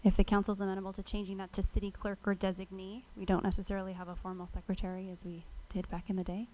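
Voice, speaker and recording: American lady on a city council, talking carefully through meeting business, ordinary mid pitch. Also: flat delivery, fast talker, warm tone, slight background noise, poor audio. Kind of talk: deliberate public meeting remarks.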